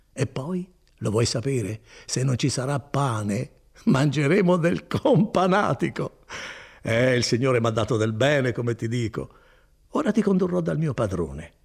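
Guy doing a chatty big-hearted old cousin, gravelly low voice that bounces all over, folksy and chuckling. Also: heavily acted. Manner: animated, folksy storytelling with chuckles. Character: chatty good-hearted older male cousin, a mill foreman.

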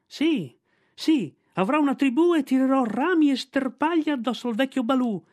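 A man's voice: very high-pitched, animated, moderate pace, a little mellow, no echo, clean studio sound, voice pushed up. A man voicing a cheeky, boastful boy raised in the jungle. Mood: excited, pleading.

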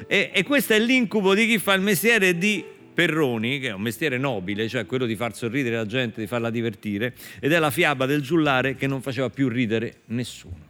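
A man's voice: mid-range voice, a little fast, hardly any pauses. Chatty male radio host. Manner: warm, chatty, jokes with the guest. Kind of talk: live radio chat and introductions. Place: radio studio. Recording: music bed playing faintly behind.

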